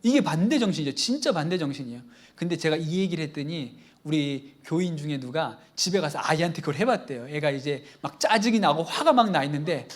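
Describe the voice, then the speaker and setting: Lively storytelling male pastor. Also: a little high, a little fast, hardly any pauses. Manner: lively storytelling, acts out dialogue. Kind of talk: Friday evening sermon with acted-out quotes.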